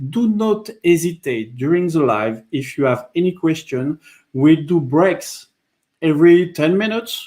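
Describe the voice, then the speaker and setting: Speaking at a very slow pace, a man with a French accent uses a high pitch and lively intonation. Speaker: scuba diving school founder. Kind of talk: live stream presentation. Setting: live video stream.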